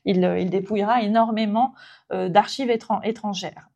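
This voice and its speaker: A woman giving an unscripted guided presentation, pausing often with filler sounds as she explains. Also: mid-range voice, fairly even intonation, gravelly, warm tone, muffled recording. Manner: hesitant, frequent filler pauses.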